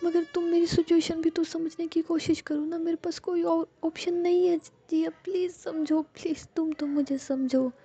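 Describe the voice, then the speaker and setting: A woman voicing Ruhi, a tearful, devoted young woman in love, pleading in a high, emotional voice. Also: level tone, moderate pace, few pauses, mellow, lo-fi sound.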